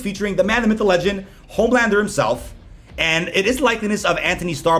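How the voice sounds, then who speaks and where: A man hosting a gaming channel, giving news commentary in an energetic, announcer-like way with punchy emphasis. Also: on the high side.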